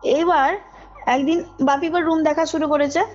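A woman's voice: sits high, steady tone, normal speed. A woman tells a personal story as a caller, informally and emphatically, often checking that her listener follows. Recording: muffled call audio under loud music. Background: background music.

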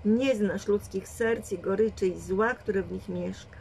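A woman voicing a serious, quiet young man who speaks slowly and solemnly in a read storybook. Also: medium pitch, vocal fry, slight background noise, rough recording. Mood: grave.

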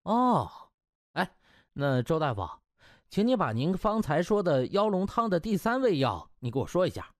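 A man voicing a smug young male trainee doctor in an audiobook, teasing and mock-polite with drawn-out interjections. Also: high-pitched, big pitch swings, no room sound, studio quality. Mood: feigned politeness. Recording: music bed behind.

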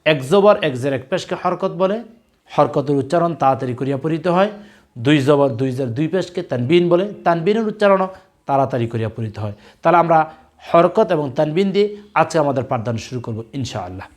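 A man's voice: fairly high pitch, animated. Bangladeshi man teaching Quran reading. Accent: Bangladeshi Bengali. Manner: drills syllables slowly and loudly, then repeats each word; measured, formal explanation in a teaching cadence. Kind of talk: recorded classroom lesson for children.

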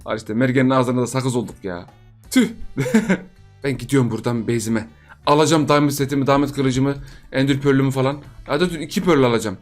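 A man giving playful gameplay commentary for his channel, chatty and laughing often as he talks straight to his viewers. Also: medium pitch. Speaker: gaming channel host.

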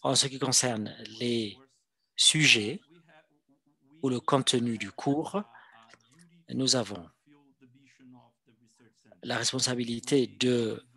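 A male interpreter renders a formal presentation live. His voice sits at a middling pitch. He speaks slowly and haltingly, delivering the speech phrase by phrase. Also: bright, forceful tone, husky. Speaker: simultaneous interpreter.

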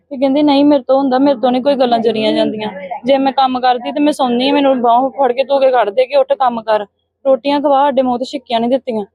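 A woman's voice: fairly high pitch, mellow, no room sound. A Punjabi woman giving an urgent account in an interview. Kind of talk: interview answers.

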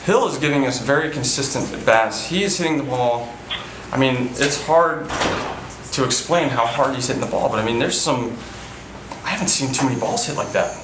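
A man's voice: mid-range voice, lively intonation, moderate pace, reverberant, background noise. A man in his thirties, a baseball team manager, answering post-game questions in an earnest way with many fillers and restarts. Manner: earnest, repeats himself, frequent fillers. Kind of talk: post-game press interview. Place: indoor press room before a sponsor backdrop.

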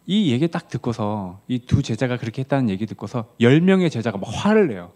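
Male pastor, early-morning sermon; conversational delivery with lively swings between raised quotes and hushed emphasis. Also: brisk. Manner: conversational preaching, voicing quoted lines with rising pitch; drops to soft low tones on key words.

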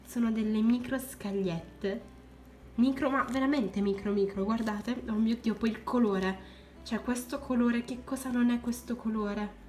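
Young woman, crafts vlogger, gushing and exclamatory; highish voice, echoey room. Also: fairly even intonation, a little slow, darkish tone, soft background music. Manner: gushing, keeps exclaiming in delight. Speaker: crafts vlogger unboxing supplies. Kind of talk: excited unboxing vlog.

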